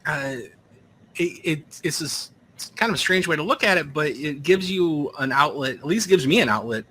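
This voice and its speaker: A man interviewing a speaker in casual conversation, halting with frequent restarts. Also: fairly high pitch, expressive, bright, forceful tone, slight background noise.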